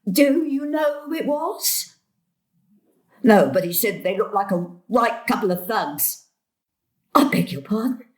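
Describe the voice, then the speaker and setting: A woman playing a sharp, gloomy elderly grandmother in an audio drama, blunt and querulous. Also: on the high side, animated, a little slow, long pauses. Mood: indignant. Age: older. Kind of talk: stage-thriller audio drama acting.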